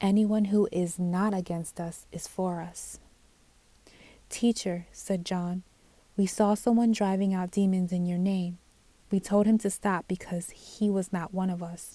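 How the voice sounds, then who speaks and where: Soft-spoken and calm, a woman talks in a dark, mellow tone with monotone, flat intonation. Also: medium pitch for a woman, fairly slow pace. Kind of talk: soft-spoken audio Bible reading. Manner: soft-spoken, calm.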